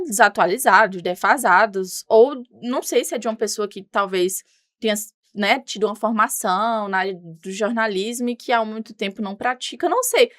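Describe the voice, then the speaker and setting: A woman's voice: on the high side, a bit bright, no echo. A young woman with a regional Brazilian accent, a reporter talking as a podcast guest, emphatic and indignant. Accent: Brazilian Portuguese, regional. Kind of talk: casual interview talk.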